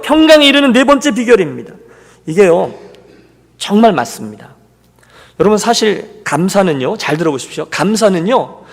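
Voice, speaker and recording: A male pastor giving a Sunday sermon, telling a story and voicing the people in it. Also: sits high. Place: church sanctuary. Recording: long reverb of a church hall.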